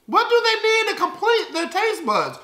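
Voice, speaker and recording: An American man hosts a casual, comedic food vlog with a highly animated delivery that swings up and down. He is expressive and exclamatory as he talks to viewers. The sound is echoey, picked up across a big room at home, with clear background noise. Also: normal speed. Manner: expressive, exclamatory, reacting while eating. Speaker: host of a food-tasting video. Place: large open living and dining room at home.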